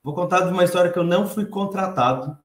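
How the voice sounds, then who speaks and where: Male speaker, 30s, Brazilian accent, soft light voice, conversational talk, echoey room. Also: sits high, fast talker. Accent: Brazilian Portuguese. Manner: conversational, expressive, reads the chat aloud. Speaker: conference speaker. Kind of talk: conference talk.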